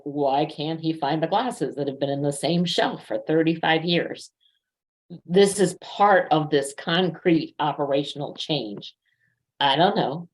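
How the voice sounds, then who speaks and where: Low-pitched woman giving an informal talk. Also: a little mellow, low-quality recording. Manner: conversational, illustrates points with personal anecdotes. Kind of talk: informal educational presentation.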